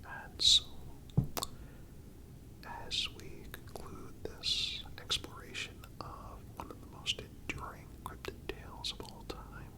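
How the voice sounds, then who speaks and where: A man narrating a scripted story for ASMR in a breathy, unvoiced whisper, deliberate and pausing between phrases. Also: rough recording.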